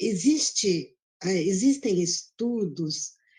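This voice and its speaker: A woman's somewhat breathy voice carries a dark, mellow tone and lively intonation. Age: 60s. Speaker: audience member asking a question. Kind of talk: Q&A question. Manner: halting.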